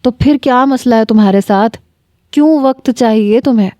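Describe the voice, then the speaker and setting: A woman's voice: on the high side, dark tone, no room sound, clean studio sound, lightly acted. A woman voicing a demanding, suspicious young husband who scolds his wife in a narrated story. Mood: angry, demanding.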